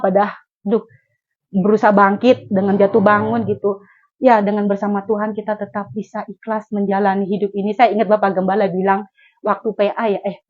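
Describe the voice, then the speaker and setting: Woman, earnest candid testimony, conversational, middle-pitched voice, dull lo-fi recording. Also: a little mellow. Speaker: church member giving testimony. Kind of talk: personal testimony at home Bible study. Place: home gathering room.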